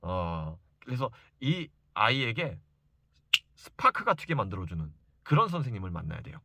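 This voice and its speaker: A man's voice: fairly low pitch, big pitch swings, normal speed, sharp tone. A man giving an informal educational talk to parents as a study coach, speaking emphatically and insistently and repeating key points for stress. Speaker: private reading and study coach advising parents.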